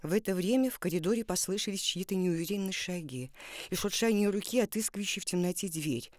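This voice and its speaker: A woman giving a dramatic, deliberate and expressive narration of literary fiction. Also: mid-range voice, no room sound, clean studio sound.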